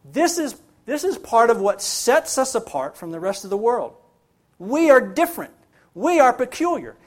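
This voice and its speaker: A man's voice: extremely high pitch, sing-song, normal speed. A man preaching a sermon as pastor, building emphasis and repeating phrases for stress.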